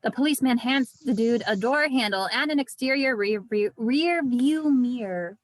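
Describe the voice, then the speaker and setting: A woman's voice: a little high, moderate pace, dry recording. A woman narrating scripted stage directions at an amateur table read.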